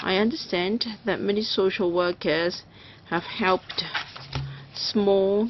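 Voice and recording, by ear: A woman speaks at a slow pace, her pitch varying in an ordinary way.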